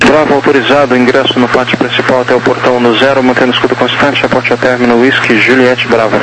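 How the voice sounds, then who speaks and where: A male air traffic controller issues formulaic clearances over the radio. He speaks quickly with a very flat pitch, through a clearly noisy channel. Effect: aviation radio.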